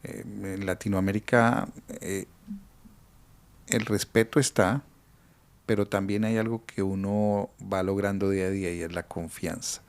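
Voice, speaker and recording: A man hosting an interview podcast, asking measured, probing questions. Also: deep voice, flat delivery, clear, resonant tone. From Colombia. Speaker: podcast host.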